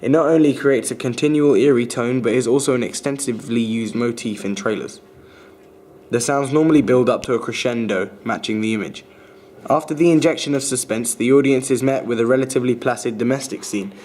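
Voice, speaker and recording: Casting: young adult male, mid-pitched and mellow, formal scripted commentary, measured read. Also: a little hiss or hum. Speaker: student filmmaker explaining their trailer. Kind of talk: scripted commentary, analytical narration.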